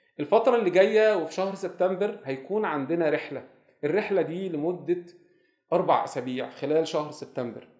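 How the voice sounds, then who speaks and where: In a quiet background, a man speaks at a moderate pace with a high pitch and ordinary pitch variation. The room echo is audible. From Egypt. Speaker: weight-loss coach. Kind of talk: motivational monologue. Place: home room.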